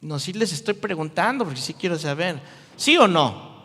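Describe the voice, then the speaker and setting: Male pastor, high voice, animated and jokey, with long reverb from a large hall. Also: moderate pace. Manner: animated, jokey, playful asides to the crowd. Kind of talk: lively youth sermon with acted-out voices.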